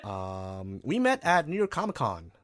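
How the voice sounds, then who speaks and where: A man hosting a podcast into a studio microphone, relaxed and halting with lots of ums. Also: medium pitch. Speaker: podcast host. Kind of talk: casual chat.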